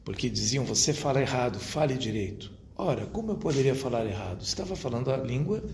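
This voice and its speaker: A man giving an academic lecture to an audience at a university, speaking in a measured, rhetorical way and addressing his listeners directly. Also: medium pitch, expressive, a little mellow. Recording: roomy echo, faint background noise.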